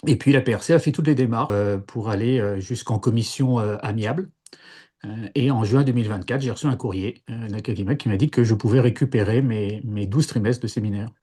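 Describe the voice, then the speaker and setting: A man's voice: on the low side, a little fast, mellow, breathy edge. A man in his sixties from Paris, recounting his past in an interview, hesitant with many fillers and restarts. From Paris, France. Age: 60s. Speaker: interviewee, former seminarian. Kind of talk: casual interview testimony.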